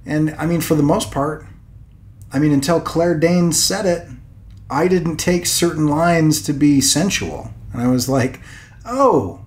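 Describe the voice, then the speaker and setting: A man in his late thirties talking casually as a vlog host, thinking aloud in a rambling way with hesitant pauses and repeated words. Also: fairly high pitch. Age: late 30s. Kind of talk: casual unscripted vlog musing.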